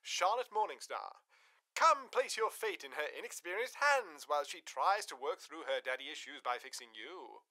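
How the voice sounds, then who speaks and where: Sardonic demon radio ad announcer, super lively pitch, sharp showman voice. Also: exaggerated voice, low-quality recording. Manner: theatrical, mocking showman. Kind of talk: 1930s radio commercial acting.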